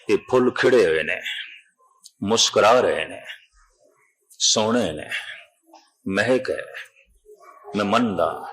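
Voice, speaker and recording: An older man with a Punjabi accent preaching a Sikh sermon, telling a story and drawing out quoted verses slowly. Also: medium pitch, a bit bright, low-quality recording. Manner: measured, slows to draw out quoted verses. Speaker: Sikh preacher giving katha.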